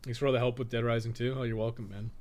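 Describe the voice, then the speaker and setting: A man chatting casually as a livestreamer, blunt and opinionated, thinking out loud as he goes. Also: medium pitch, flat delivery, rapid-fire. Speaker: live streamer and podcast co-host. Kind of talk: casual livestream chat and gameplay commentary.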